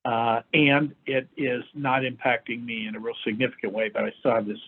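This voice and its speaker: The audio is narrow and phone-like, carrying a man with a middle-pitched, husky voice. He is hoarse from a lingering respiratory infection. He speaks as a doctor giving an informal briefing, explaining in measured phrases with points of emphasis. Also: flat delivery. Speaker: doctor hosting a health update for firefighters and EMS. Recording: thin, phone-like band-limited audio.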